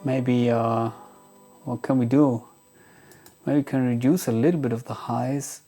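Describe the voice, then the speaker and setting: A man's voice: mid-range voice, steady tone, unhurried, mellow. A man giving a casual, unscripted guitar gear demo, thinking aloud in a hesitant way.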